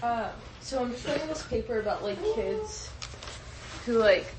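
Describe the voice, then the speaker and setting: A young woman, a college student, chatting casually and then interviewing a friend, halting often with fillers. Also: fairly high pitch, very animated, echoey room, heavy background noise. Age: young adult.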